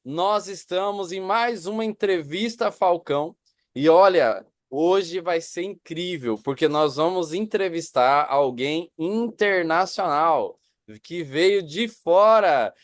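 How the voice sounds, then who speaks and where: A man, a pastor, who hosts a church interview, asking quick, upbeat questions and leading a prayer. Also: high-pitched, no echo, studio quality. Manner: upbeat, rapid questions with affirmations.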